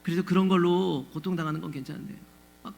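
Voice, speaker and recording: Man, pastor, sermon, very high voice, gravelly, conversational, emotive. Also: fairly even intonation, fast talker. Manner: emotive, acts out biblical cries and pleas; conversational, asks the congregation questions.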